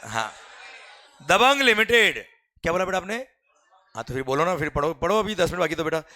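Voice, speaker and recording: A man with an Indian accent teaching a lively class, often calling students "beta" and asking whether they follow, and reading English exam questions out slowly. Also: fairly high pitch. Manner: addresses students as beta, keeps asking "clear?".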